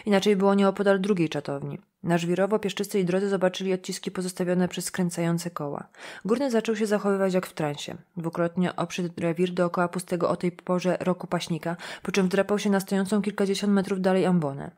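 A woman reading a novel aloud as an audiobook narrator, in steady, even storytelling. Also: fairly low pitch, a little fast.

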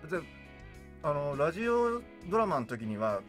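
A man's voice: on the high side, very animated, moderate pace, a bit bright, soft background music. A man chatting casually as a guest on a radio show, modest and often repeating words as he reacts. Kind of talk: casual studio chat. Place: radio studio. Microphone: studio boom microphone.

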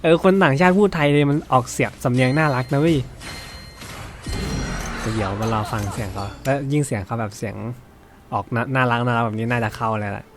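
A man's voice: mid-range voice, fairly quick. Chatty young man with music behind. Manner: chatty, teasing, laughs often. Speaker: gaming streamer. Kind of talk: casual game commentary.

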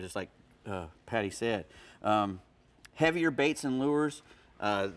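A man's voice: on the low side, fairly bright tone. A middle-aged man giving fishing tips in a casual studio chat, folksy and rambling with frequent restarts. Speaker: fishing guest expert. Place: TV studio set.

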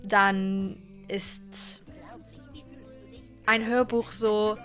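A woman in her twenties streaming from her gaming room into a boom-arm studio mic, chatting casually and animatedly with viewers, often stumbling and repeating words. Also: level tone, very slow, fairly bright tone, soft background music. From Germany. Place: gaming room with colored wall lights.

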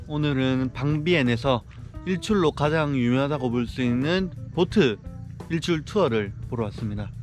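A young man chatting casually to a camera held at arm's length as he vlogs outdoors by a river and a jungle waterfall, upbeat and quick to get excited. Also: medium pitch, faint music behind. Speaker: travel vlogger. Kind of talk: casual travel vlog.

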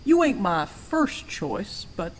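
A woman's voice: mid-range voice, very animated, takes it slowly, a little hiss or hum. A woman playing a mysterious, teasing stranger in an audio drama, folksy in speech and out for bargains. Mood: appraising.

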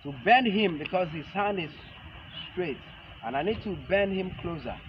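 A man in his thirties teaching a hands-on self-defense lesson in short, halting phrases, repeating his instructions. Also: high voice, lively intonation. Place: large open concrete outdoor arena with stepped stands. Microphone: camera a few metres away. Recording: muffled outdoor camera audio, loud ambient noise. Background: loud outdoor ambient noise.

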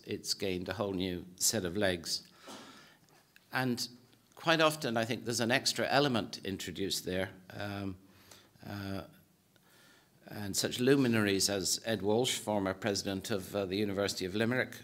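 A low-voiced Irish man in his sixties lectures from a podium in a conference hall. He speaks in a measured, hesitant way, full of "uh" and restarts as he works through his points. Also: a bit bright. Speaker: political science professor giving a presentation. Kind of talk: formal lecture talk. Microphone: podium microphone.

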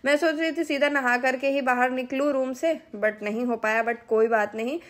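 A woman's voice: sits high, steady tone, moderate pace. A woman in her thirties with a Hindi accent, narrating a family vlog into a handheld phone and explaining each step to her viewers. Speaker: family vlogger.

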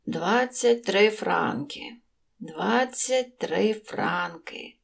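A woman voicing a quiet, kind male traveller in a storybook, speaking calmly and with few words. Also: mid-range voice, normal speed. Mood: restrained. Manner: calm, restrained, few words.

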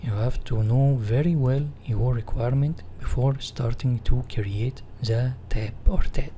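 A man with an Egyptian Arabic accent teaches in a mellow, mid-pitched voice. He reads out material and rephrases it in non-native English, like a software tutorial. There is faint noise on the recording. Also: a little slow. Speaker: instructor. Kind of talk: software tutorial reading slides and explaining.

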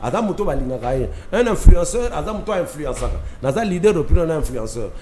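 A man's voice: on the high side, very animated, quick pace, echoey room, noisy background. A Congolese man in his thirties, a studio guest speaking as an opinion leader, talking with emphatic force and switching between French and Lingala. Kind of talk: impassioned studio talk show discussion.

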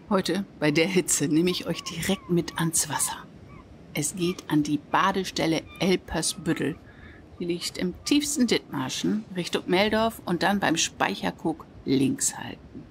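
A woman's voice: on the low side, wildly swooping pitch, measured pace, gravelly, slight background noise. A woman hosting a podcast interview, chatty and prompting her guest with little tag questions. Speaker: podcast host. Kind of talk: casual interview.

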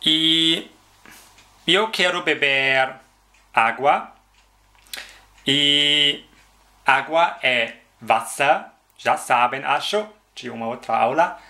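Very slow, bright-voiced man teaching. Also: fairly high pitch. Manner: repeats each word slowly several times, carefully enunciated. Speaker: German language teacher. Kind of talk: slow, repetitive vocabulary lesson.

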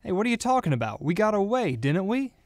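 A reckless young gunman, played by a man in a radio play, defensive and quick to plead. His pitch jumps around freely, and the sound is dry and close. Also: very animated, darkish tone, dry recording. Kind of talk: amateur radio drama.

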